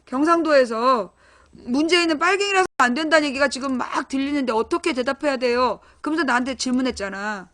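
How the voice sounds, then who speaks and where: High-voiced woman hosting blunt political talk. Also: brisk, fairly bright tone. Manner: talks directly to chat viewers, asks them questions; blunt and emphatic, informal speech. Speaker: political live-stream host. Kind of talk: live-stream political commentary.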